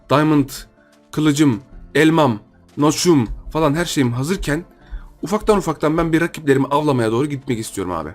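Young Turkish man, casual let's-play commentary, mid pitch, chatty, faint background music. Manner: chatty, addresses viewers as friends, thinks aloud while playing. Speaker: gaming YouTuber.

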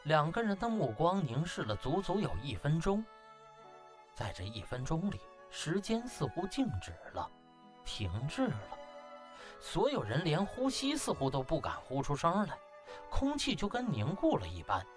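A man's voice: fairly high pitch, wildly swooping pitch, normal speed, soft background music. A man narrating an audiobook as dramatic scripted storytelling, in a theatrical, emphatic manner.

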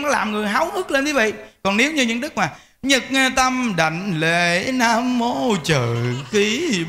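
A man's voice: very high voice, sharp tone, slight background noise. A man, a Buddhist monk, giving an informal, emphatic dharma talk to lay followers. He repeats words and often speaks to his listeners directly.

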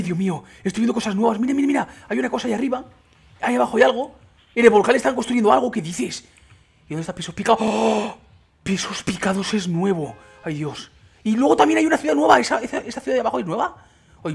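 A young man with a Spanish accent reacting to a video game with excitement. His voice sits high and swings widely in pitch, leaping up on exclamations. A husky edge runs through his tone. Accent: Spain Spanish. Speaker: gaming YouTuber. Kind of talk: excited gameplay commentary.

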